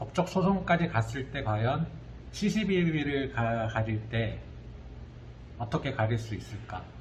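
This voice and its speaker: A man talking at a very slow pace with long, frequent pauses and noticeable background noise. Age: 40s. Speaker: licensed real estate agent. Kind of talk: casual vlog talk to camera.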